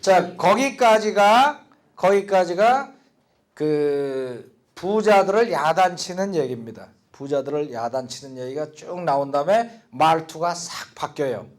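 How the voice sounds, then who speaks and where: A man's voice: a little high, animated, measured pace. An older man teaching an English speaking lesson from Bible verses, joking and repeating words for the class to drill.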